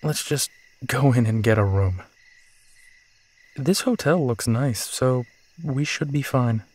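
A man's voice: mid-range voice, a little mellow. A man playing a tired, teasing werewolf detective in an intimate audio roleplay. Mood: weary.

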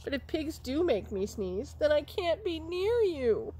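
A woman voicing an anxious young male elephant who keeps sneezing, in a high, squeaky, dramatic wail, read aloud for young children. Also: very animated, measured pace, warm tone, poor audio. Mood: distressed.

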